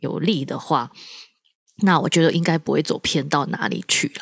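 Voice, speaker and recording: This woman's voice is very deep and low in pitch. She speaks at a moderate pace. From Malaysia. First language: English (speaking Chinese). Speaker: musician and worship leader. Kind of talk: casual interview.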